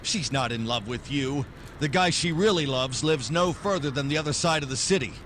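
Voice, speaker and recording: A man's voice: fairly high pitch, moderate pace, fairly bright tone, slight background noise, close to an everyday voice. A man playing a tough, sardonic private detective in 1940s noir radio style, with clipped, threatening wisecracks. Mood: hard, scornful. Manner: clipped wisecracking, hard-edged delivery. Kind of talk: 1940s noir radio drama acting, first-person narration.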